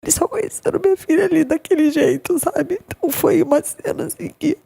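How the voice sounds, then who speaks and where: A young adult woman, giving an emotional personal account as a podcast guest, halting and repeating her words. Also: very high voice, vocal fry, warm tone. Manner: halting, with many repeated words and tag questions.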